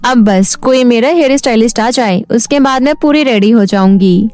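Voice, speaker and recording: A woman voicing a confident, demanding young beauty-queen character in a cartoon story, speaking briskly. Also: fairly high pitch, a little mellow, no room sound, natural voice.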